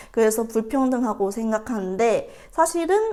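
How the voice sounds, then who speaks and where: A woman speaks in a high pitch with a dark, mellow tone. Her intonation is lively. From Gyeongsang Province, South Korea. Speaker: YouTuber living and working in the UK. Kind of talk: casual explainer vlog.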